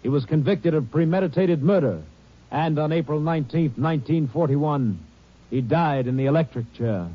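A man's voice: a little high, normal speed. A man giving solemn scripted narration as an announcer on a 1950s radio drama. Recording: dull old radio, faint music.

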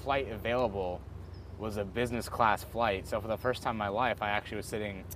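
A man hosting a casual walking interview, relaxed and friendly, with some restarts. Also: fairly low pitch, a little fast. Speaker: host interviewer. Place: outdoors on a college campus near traffic. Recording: clear outdoor traffic noise behind.

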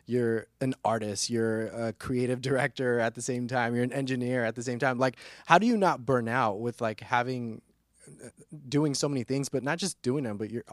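A man's voice: medium pitch, dry recording, clean studio sound. A man hosting a music interview, upbeat and full of praise for his guest. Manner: upbeat, praising, quick questions. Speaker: interview host. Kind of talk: casual interview.

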